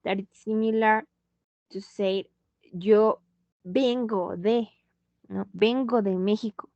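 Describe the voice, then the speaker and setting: Slow-talking woman English teacher. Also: medium pitch, fairly even intonation, no echo, dull audio. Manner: slow, patient, switching into Spanish to explain. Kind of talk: online English lesson.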